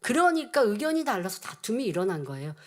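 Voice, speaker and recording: A woman's voice: mid-range voice, very animated, quick pace. A woman preacher giving an earnest sermon and acting out quoted dialogue in changing voices. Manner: earnest teaching tone.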